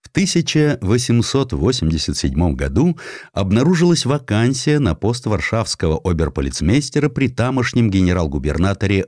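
A man narrating a satirical historical audiobook in a theatrical, ironic and expressive manner. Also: fairly low pitch, no echo, studio quality.

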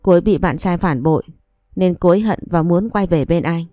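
A woman's voice: lowish voice, fairly quick, no room sound, studio quality, soft background music, natural voice. A woman reading a story aloud, voicing a stern young husband who speaks to his wife in a cold, accusing way. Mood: tender. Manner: cold, accusing, flatly reproachful.

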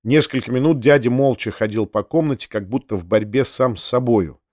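A man reading a classic novel aloud in a measured storytelling manner, on a close studio mic. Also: mid-range voice, a little mellow, no echo. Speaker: audiobook reader. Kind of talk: literary audiobook narration.

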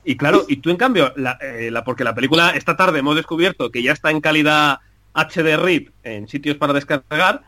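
Relaxed podcast host, man. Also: on the high side, a little fast. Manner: relaxed, slangy. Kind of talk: casual podcast chat.

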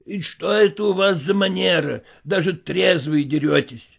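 A woman reading aloud voices a bewildered old tailor in a storybook. He speaks mildly in an everyday voice with a slight creak. There is little put-on about him. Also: on the low side, moderate pace, voice pushed up. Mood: puzzled.

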